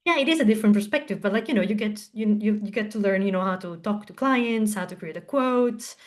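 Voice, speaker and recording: A woman's voice: mid-range voice, fast. Chatty Italian woman telling her story. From southern Italy. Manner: chatty, storytelling with frequent fillers. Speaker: guest, translator and tech co-founder. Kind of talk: casual podcast interview.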